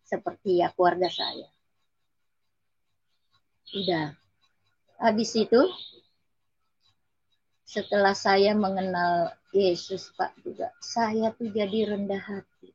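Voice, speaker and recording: A woman's voice: medium pitch, slightly rough, dry recording, muffled recording. A woman with a Betawi accent gives an earnest, emotional personal testimony and respectfully addresses her listener as sir. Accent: Betawi Indonesian. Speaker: testimony giver.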